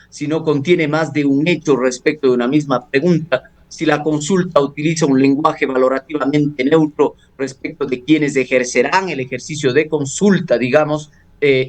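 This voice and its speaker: Male law professor, radio guest, formal and measured, fairly high voice, hesitant fillers. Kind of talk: radio interview, analytical commentary. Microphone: studio or phone radio interview.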